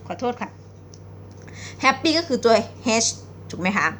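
A young woman, chatty and rambling as she gives a casual English lesson, reading phrases slowly and explaining them. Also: on the high side, huge pitch swings, a bit bright, a little hiss or hum. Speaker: English tutor. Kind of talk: casual vlog-style language lesson.

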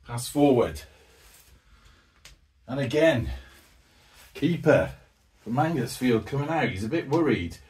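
A man calls a tabletop football match in a lively, joking play-by-play, jumping to sudden shouts when a shot goes close. He sounds a little out of breath from the heat. His voice sits at an average pitch and comes from some distance off the mic. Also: slow, long pauses. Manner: excitable, jokey, with sudden loud outbursts. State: out of breath, hot. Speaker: host and commentator of a tabletop football game. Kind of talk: solo play-by-play commentary.

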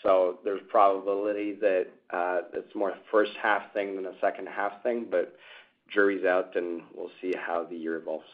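A man with a lowish voice answers analysts as a company executive. He phrases things carefully, with hesitant pauses. The sound is thin and narrow, as over a telephone. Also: little pitch movement. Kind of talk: earnings call answers. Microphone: telephone conference line. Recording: narrow, tinny phone line.

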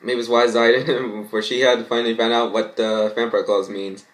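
A young man reads a story aloud and comments on it, haltingly, often tripping over his words. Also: medium pitch, level tone. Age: young adult. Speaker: vlogger. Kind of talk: reading fan fiction aloud with mocking commentary. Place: small bedroom indoors.

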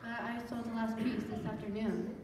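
Woman as high-voiced eager little sister. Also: flat delivery, moderate pace, a little mellow, natural voice. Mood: excitable. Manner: keen, exclaiming. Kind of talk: amateur stage radio play acting. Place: church stage before an audience. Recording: echoey church hall, distant, clearly noisy.

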